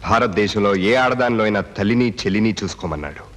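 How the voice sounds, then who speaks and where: A man's voice: lowish voice, expressive, fast, close to an everyday voice. An actor playing a polite, earnest young man who speaks respectfully in a film scene. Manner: polite, earnest speeches, addresses others as sir. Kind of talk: film dialogue.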